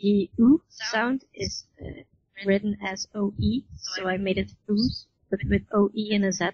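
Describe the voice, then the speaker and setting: Even-toned woman, lo-fi audio. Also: medium pitch, a little slow, slightly rough, dry recording. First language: Dutch. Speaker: podcast guest, forum admin. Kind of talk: casual interview chat.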